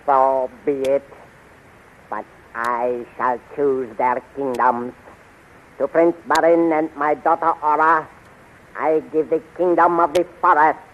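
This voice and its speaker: Cunning tyrant emperor, fairly high-pitched, 1930s radio style, faintly noisy recording. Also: male voice, flat delivery, muffled recording. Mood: coldly scheming. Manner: slow, deliberate, sinister. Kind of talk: 1930s radio serial acting.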